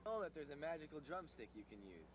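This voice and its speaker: A teenage boy playing a naked male woodland fairy guide in a homemade school video, talking in a deadpan, offhand way. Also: a little high, fast talker. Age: teens. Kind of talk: amateur school video acting. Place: woods outdoors. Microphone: camcorder mic. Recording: noisy old camcorder tape.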